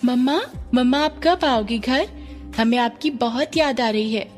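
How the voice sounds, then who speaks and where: A woman voicing an innocent six-year-old girl who talks in a slow, drawn-out, pleading way. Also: a little high, soft background music, pitched above the performer's own voice, close to an everyday voice. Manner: pleading, drawn-out childlike speech. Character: young girl, six or seven, innocent and clingy.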